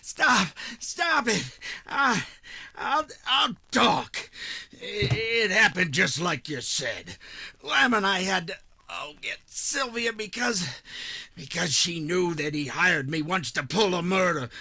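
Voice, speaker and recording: An actor playing a cowardly hired killer in 1940s radio drama style, stammering, whining and melodramatic. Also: male voice, high voice, very animated, slow, sharp tone, exaggerated voice. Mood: broken, confessing. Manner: stammering, breathlessly pleading, melodramatic.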